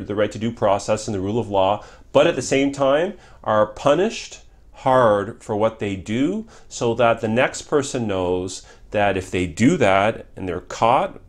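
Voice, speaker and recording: A middle-aged man whose first language is Polish, a former member of Parliament answering interview questions in an earnest, repetitive way with many restarts. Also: medium pitch. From Canada.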